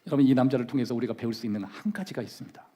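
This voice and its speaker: In a church sanctuary, a male pastor preaches a sermon, leading the congregation in call-and-response with emphasis. His voice is husky and dark in tone, medium in pitch, and delivered very fast.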